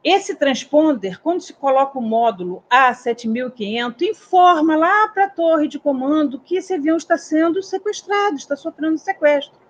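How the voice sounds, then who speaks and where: A woman in her sixties with a Brazilian Portuguese accent tells a story with a high voice. She keeps turning to her listeners with questions. The sound is a little dull and muffled. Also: lively intonation, moderate pace. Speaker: aviation security specialist, guest. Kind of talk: storytelling in a talk. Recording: dull, slightly muffled audio.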